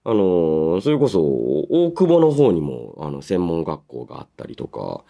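Lively, expressive male radio host. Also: sits low, measured pace, gravelly. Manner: polite but casual, musing to himself. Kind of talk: solo radio talk, reading listener mail with chatty asides.

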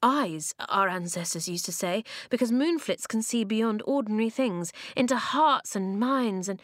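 A woman voicing a young boy who talks in an earnest hush and stammers a little. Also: medium pitch, normal speed, no echo, clean studio sound, voice pushed up, close to an everyday voice. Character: young boy, steady and protective leader.

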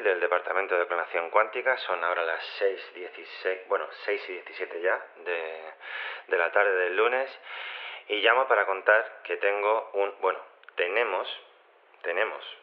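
Audio comedy: awkward Spanish male scientist played by a man, low voice, halting and rambling, thin phone line. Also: close to an everyday voice. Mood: flustered, apologetic. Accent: Spain. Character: awkward, flustered male scientist and his hesitant clones. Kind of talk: naturalistic audio comedy acting. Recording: muffled, tinny phone message.

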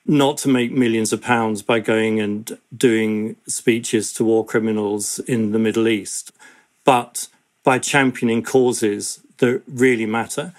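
A man speaking as an interviewee, measured and passionate, with frequent "you know" fillers. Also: fairly low pitch, fairly even intonation. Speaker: education campaigner, interviewee. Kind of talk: earnest interview talk.

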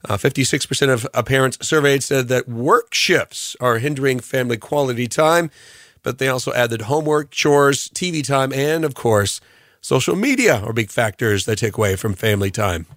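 A man hosting a morning radio show, his voice hoarse from allergies, rambling through tips with lots of ums and uhs. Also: mid-range voice, moderate pace, a bit bright, no room sound, clean studio sound. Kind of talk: radio show recap, casual talk. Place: radio studio.

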